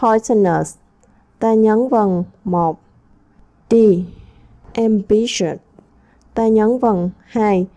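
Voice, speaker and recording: A woman's voice: medium pitch, slow, dark tone, lo-fi sound. A woman English teacher going through a textbook review, reading each word aloud and then translating it. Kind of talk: textbook lesson walkthrough.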